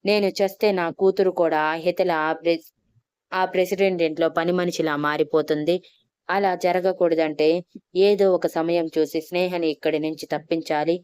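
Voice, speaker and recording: A woman reads a heartbroken older farmer in a storybook, his lament coming slow and brooding. The voice is low-pitched and very clear, with a dry close sound. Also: steady tone, darkish tone, no echo, natural voice. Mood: despairing. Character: grieving older male farmer, despairing.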